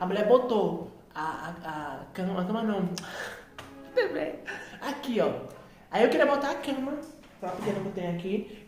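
A woman's voice: lowish voice, a little mellow. Woman, São Paulo accent, casual home vlog, rambling with fillers, phone camera, faint background noise. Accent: São Paulo Portuguese. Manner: rambling, many fillers and restarts. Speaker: vlogger. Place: at home indoors.

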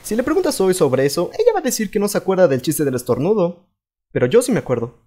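A young man with a Latin American Spanish accent narrating a comedic cartoon storytime with an animated, playful delivery. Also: sits high, quick pace. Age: young adult. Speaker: fandub narrator.

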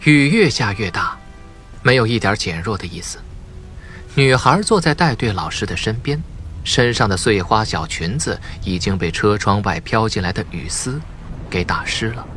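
Low-pitched, expressive male suspense narrator. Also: normal speed, soft background music. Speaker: audiobook narrator. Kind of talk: dramatic scripted suspense narration.

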